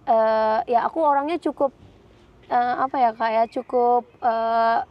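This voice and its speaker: Chatty jakarta woman guest, bit high voice, kinda muffled lo-fi audio. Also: fairly even intonation, a little slow. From Jakarta, Indonesia. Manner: chatty, with frequent fillers and restarts. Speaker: podcast guest. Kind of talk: casual interview chat. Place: outdoors. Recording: dull lo-fi sound.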